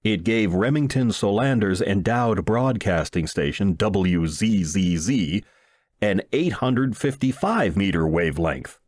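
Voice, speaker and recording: A man narrates a humorous short story in a low voice with very animated intonation. He reads as a wry first-person storyteller. The sound is dry, with no room to it. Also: unhurried, no echo. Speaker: audiobook reader.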